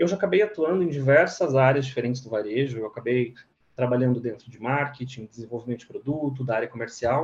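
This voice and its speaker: Talking at a very fast pace, a man speaks at a medium pitch with ordinary pitch variation. His voice is somewhat breathy and swings widely in loudness. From Brazil, interior of Santa Catarina. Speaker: CRM and customer insights manager. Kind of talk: podcast interview.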